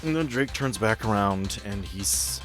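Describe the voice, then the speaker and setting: A man's voice: lowish voice, expressive, a little slow, over music. A man running a tabletop roleplaying game, narrating scenes in a conversational, explanatory way. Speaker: game master.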